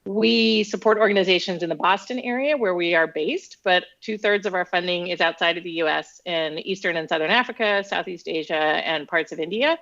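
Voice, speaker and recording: A woman introducing her family foundation on a panel, friendly, grateful and quick to laugh. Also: fairly low pitch. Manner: warm, laughs easily, grateful. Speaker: foundation managing partner, panelist. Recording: muffled lo-fi audio.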